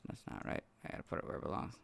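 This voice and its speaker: A hoarse man who has lost his voice, chatting casually on a livestream while editing, muttering to himself with apologetic asides. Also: racing, a bit bright, no room sound. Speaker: video creator streaming his editing. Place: home room, hot.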